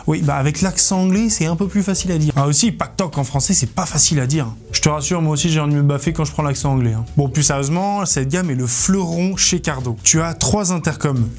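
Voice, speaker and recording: A man's voice: fairly high pitch, brisk, hardly any pauses, darkish tone, soft background music. A man giving a casual product review to camera as a presenter, informal, playful and self-mocking in his delivery. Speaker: presenter of a motorcycle gear video.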